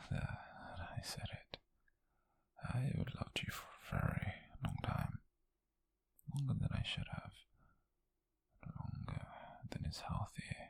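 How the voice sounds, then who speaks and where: Whispering, gravelly obsessive male captor acted by a man. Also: on the low side, no echo, full character voice. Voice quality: breathy, husky, gravelly whisper. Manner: slow, halting confession with sighs. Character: obsessive, lovesick male captor, pleading yet menacing. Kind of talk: intimate whispered audio roleplay monologue.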